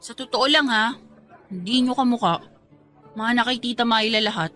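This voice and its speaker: A woman's voice: on the high side, moderate pace, pushed and bright, soft background music. A woman playing a cheeky young niece in a Tagalog radio drama, teasing and playful as she bargains for treats.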